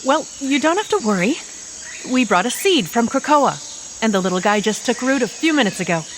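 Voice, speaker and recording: A woman playing a calm, reassuring telepathic superhero mentor in an audio drama, explaining things as she goes. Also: fairly high pitch, brisk, slight background noise, poor audio. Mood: composed, reassuring. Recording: clear outdoor jungle sound effects.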